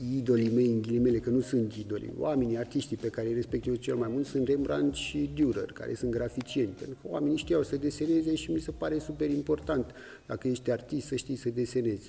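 A man speaks at a very fast pace with hardly any pauses. His medium-pitched voice carries lively intonation. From Romania, Bacău. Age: 40s. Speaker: street artist and art teacher. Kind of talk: interview.

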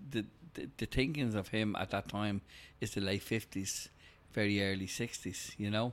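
A man with a Dublin accent speaks at a moderate pace and a fairly low pitch. His intonation is fairly even on a very clean recording with a silent background. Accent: Dublin Irish. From Dublin, Ireland. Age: 50s. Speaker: cafe owner. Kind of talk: casual chat. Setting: in a coffee shop.

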